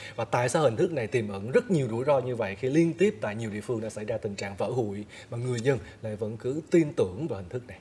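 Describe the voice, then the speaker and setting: Very fast speech from a man of medium pitch, with lively intonation and big swings in loudness. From Vietnam. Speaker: news anchor. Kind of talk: news reading. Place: studio. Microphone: lapel.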